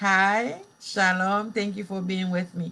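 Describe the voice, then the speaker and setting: A woman's somewhat breathy voice at a medium pitch. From Haiti. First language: Haitian Creole. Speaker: mental health therapist. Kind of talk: live stream talk. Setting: social media live video. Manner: halting, many fillers.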